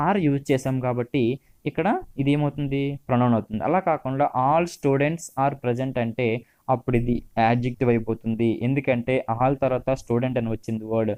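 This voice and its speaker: Man, Telugu accent, English grammar lesson, warm dark tone, slow example sentences. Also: mid-range voice. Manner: reads English examples slowly, then explains. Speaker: English teacher. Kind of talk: explaining grammar.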